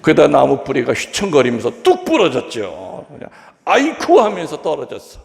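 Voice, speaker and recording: A man's voice: mid-range voice, sing-song, fairly quick, gravelly, darkish tone. A Catholic priest giving a humorous, chatty homily to his congregation in a church. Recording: long reverb of a large hall.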